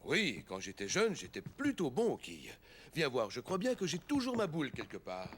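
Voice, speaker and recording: A man playing a kindly old grandfather in a children's cartoon, encouraging and gently instructive. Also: medium pitch, wildly swooping pitch, moderate pace. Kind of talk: French-language children's cartoon dialogue.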